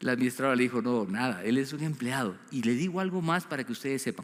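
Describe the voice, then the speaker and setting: Fairly high-pitched male speech at a fairly quick pace. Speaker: pastor. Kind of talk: sermon.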